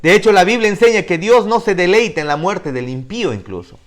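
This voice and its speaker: A man's voice: high voice, animated, fairly quick. A man teaching an online discipleship class, emphatic and putting questions to his students. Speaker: Bible teacher.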